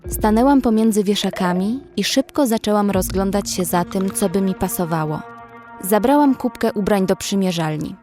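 A woman's voice: medium pitch, normal speed, natural voice. A woman playing a young female survivor who narrates a horror audio drama in the first person. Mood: calm, observant. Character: young female survivor recounting a frozen zombie outbreak. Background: faint music.

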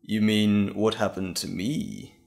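A man playing a gloating, sinister evil alter ego in an audio drama, with a mocking, theatrical, drawn-out delivery. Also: on the low side, level tone, gravelly, a little mellow. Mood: gloating, teasing.

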